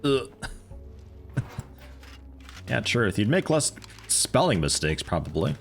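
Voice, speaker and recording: A man's voice: mid-range voice, big pitch swings, takes it slowly, vocal fry. A man in his thirties giving rambling, casual commentary while livestreaming a game, swearing now and then. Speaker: gaming livestreamer.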